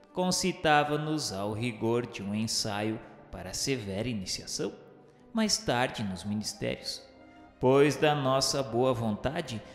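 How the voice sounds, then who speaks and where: In a long, echoing reverb with music behind, a man voices a solemn male memoirist of the afterlife. His delivery is reverent and grandly oratorical, in the literary manner of a radio novel. The voice sits at a medium pitch. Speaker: narrator of a spiritist radio novel. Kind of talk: dramatic scripted literary narration. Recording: very reverberant hall sound with music.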